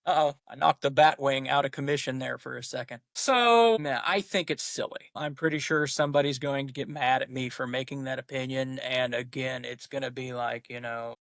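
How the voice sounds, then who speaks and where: A man's voice: mid-range voice, normal speed, gravelly, hardly any pauses, a bit bright, no echo. A man hosting his own podcast in a casual, rambling monologue, opinionated and joking about himself. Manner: opinionated, rambling, self-deprecating humor. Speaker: podcast host.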